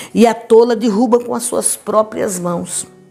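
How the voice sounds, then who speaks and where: A woman talks in an animated tone. Background noise is noticeable. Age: 70s. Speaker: ex-witch evangelical preacher. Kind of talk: testimony.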